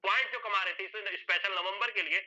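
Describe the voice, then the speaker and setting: His voice sits high with a steady tone, a little fast, pushed and bright, as a man walks listeners through an earning plan on a whiteboard. He repeats points, answers his own questions and calls them sir and brother; the recording is dull and lo-fi.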